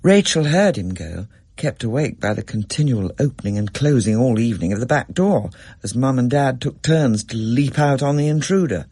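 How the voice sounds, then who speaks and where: A man narrating a scripted story in an expressive, measured way. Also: on the low side, vocal fry, slightly rough, no room sound, clean studio sound.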